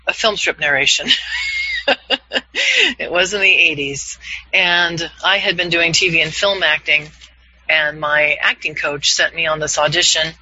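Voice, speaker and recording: A man in his fifties, a voiceover coach leading an online class, upbeat and quick to laugh. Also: on the high side, sharp tone. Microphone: video call. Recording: dull, lo-fi video call audio.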